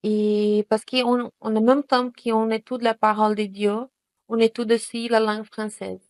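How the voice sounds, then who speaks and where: A Brazilian woman, a native Portuguese speaker, gives a hesitant testimonial in French, with many pauses and fillers. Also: fairly high pitch, little pitch movement, dry recording. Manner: hesitant, many fillers and restarts in a second language. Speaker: student giving a testimonial. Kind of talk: spontaneous testimonial.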